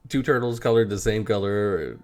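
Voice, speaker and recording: A man's voice: on the low side, a little fast, darkish tone. A man chatting casually about cartoons and games, with casual swearing. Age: adult. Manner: casual, profane. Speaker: podcast host.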